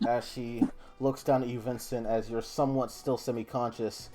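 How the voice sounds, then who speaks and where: Guy running a tabletop game, average voice, rambly narration, soft music behind. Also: mid-range voice, level tone, moderate pace. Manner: rambling narration with many fillers. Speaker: game master.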